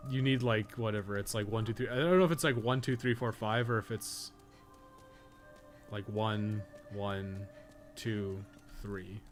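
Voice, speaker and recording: A man's voice: on the low side, a little slow, soft background music. A man giving casual live gameplay commentary, rambling and thinking aloud with casual swearing. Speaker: game streamer and podcast co-host.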